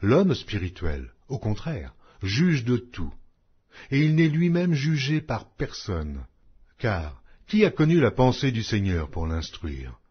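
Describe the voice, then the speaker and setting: A man reads scripture as an audiobook narrator, in a solemn, measured, declamatory way with deliberate pauses. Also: medium pitch, very animated, breathy edge, lo-fi sound. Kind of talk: solemn scripted Bible reading.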